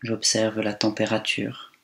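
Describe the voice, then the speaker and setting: A man leading a guided body scan meditation in a calm, unhurried way, leaving long pauses between phrases. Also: lowish voice, gravelly.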